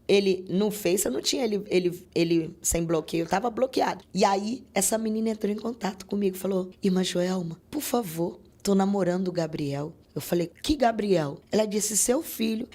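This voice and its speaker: A woman's voice: medium pitch, darkish tone. A middle-aged Brazilian woman telling a faith testimony as a podcast guest, earnest and repetitive, often acting out what others said. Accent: Brazilian Portuguese. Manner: earnest, repetitive storytelling, quoting others aloud. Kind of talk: spoken religious testimony.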